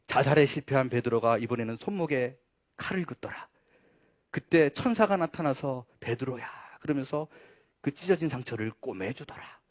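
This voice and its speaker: A male pastor delivering a sermon in a church, animated and full of rhetorical questions with dramatic shifts. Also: medium pitch, no echo, clean studio sound.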